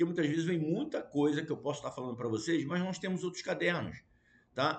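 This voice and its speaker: Amid audible room echo, a man speaks at a fairly quick pace in a somewhat breathy voice with ordinary pitch variation. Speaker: law professor and notary. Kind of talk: recorded online lecture. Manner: fast.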